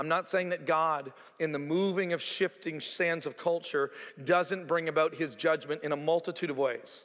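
A plain, everyday voice, moving at a moderate pace with fairly even intonation, is heard here. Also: man, fairly high pitch for a man. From Canada (Toronto, Calgary). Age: 40s. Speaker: pastor. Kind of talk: sermon. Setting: church.

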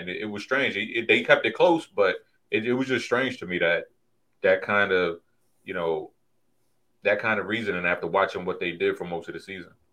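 A man talks with a New York accent. His pace is fairly quick. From Brooklyn, New York. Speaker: sports podcast panelist. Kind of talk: casual sports roundtable.

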